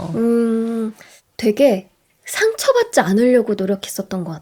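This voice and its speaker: With ordinary pitch variation, the speech unfolds fairly slowly in a dark, mellow tone. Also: woman, fairly high pitch for a woman. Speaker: voice actor. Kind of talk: interview answer.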